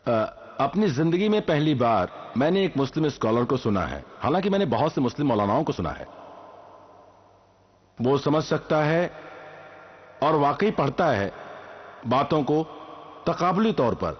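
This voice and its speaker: Husky older man giving a podium address. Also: on the high side, sing-song, lo-fi sound. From Sindh. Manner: earnest, measured, speaks in short phrases. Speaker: presiding speaker at a public lecture.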